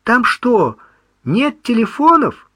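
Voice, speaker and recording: Male reader doing a fussy older mother, raised lively voice, doting and teasing, dry recording. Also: very high voice, slow pace, breathy edge, dry recording, pitched above the performer's own voice, full character voice. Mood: doting, anxious. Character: older woman, fussy loving mother on the phone.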